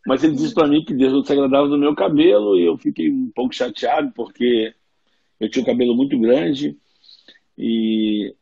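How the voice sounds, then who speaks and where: Husky Carioca man on a video call. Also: mid-range voice, normal speed, dark tone, lo-fi sound. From Rio de Janeiro, Brazil. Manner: chatty storyteller, laughs often. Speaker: guest. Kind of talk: casual video-call interview.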